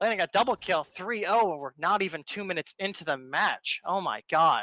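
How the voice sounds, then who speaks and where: A man with an American accent uses a raised, projected voice with a bright, sharp tone and lively intonation, recorded very cleanly with a silent background and a dry, close sound with no echo. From Michigan, US. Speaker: esports caster. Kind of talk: live commentary. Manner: fast; animated.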